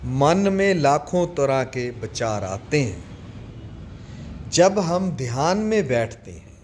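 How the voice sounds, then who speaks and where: A man giving a slow, deliberate spiritual talk on meditation, addressing listeners directly with long pauses. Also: medium pitch, a little mellow, a little hiss or hum. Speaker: spiritual teacher.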